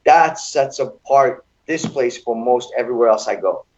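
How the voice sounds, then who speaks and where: A man's voice: mid-range voice, normal speed, a little mellow, lo-fi sound. A man born in Hungary and raised in Seattle, a talk show guest who speaks chattily and with enthusiasm.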